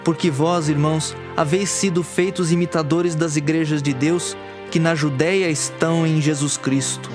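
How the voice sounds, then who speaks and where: Higher-voiced Brazilian man reading scripture, music behind. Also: steady tone, normal speed. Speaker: scripture reader. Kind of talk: scripted dramatic audio Bible reading. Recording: music under the voice. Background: background music.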